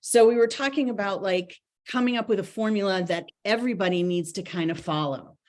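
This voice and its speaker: A woman's voice: medium pitch, fairly quick, darkish tone. A woman presenting a grant report to a board in an online meeting, chatty with many ums and restarts. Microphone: video call.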